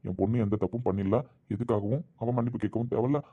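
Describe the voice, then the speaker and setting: A man's voice: on the low side, fairly even intonation, fast talker, narrow, tinny audio. A man speaking dramatic dialogue in an earnest, tender way. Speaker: actor in a family drama.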